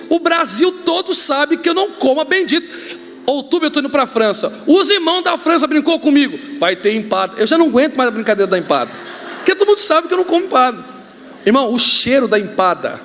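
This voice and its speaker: Man, Brazilian accent, pastor, sermon, joking storyteller, very high pitch, faint background ambience. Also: a little hiss or hum. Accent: Brazilian Portuguese. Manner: joking, animated storytelling with shouts. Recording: reverberant hall, faint ambience.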